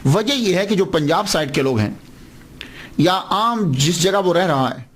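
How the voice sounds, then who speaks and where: High-voiced scholar lecturing. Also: male voice, animated, breathy edge. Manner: explanatory, poses questions then answers them; slows down to spell out names and words. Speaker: Islamic scholar. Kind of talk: religious lecture.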